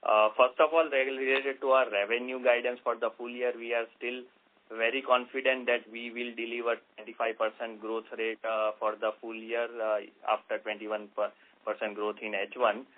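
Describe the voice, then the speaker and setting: Halting Indian businessman on a tinny phone line. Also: mid-range voice, flat delivery. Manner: halting, formal, measured phrasing. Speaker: company executive. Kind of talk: earnings call answers. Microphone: telephone conference line.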